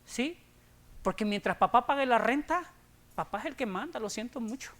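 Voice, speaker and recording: A man with a Mexican Spanish accent preaching a sermon, swinging between loud emphatic declarations and low, confiding asides. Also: animated, normal speed. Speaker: pastor. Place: church sanctuary.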